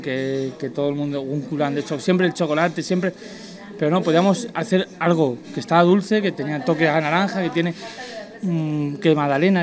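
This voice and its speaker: A man in his thirties, a chef being interviewed in a restaurant dining room, talking in a halting way with restarts, into a handheld mic. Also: a little high. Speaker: guest chef. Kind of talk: casual interview.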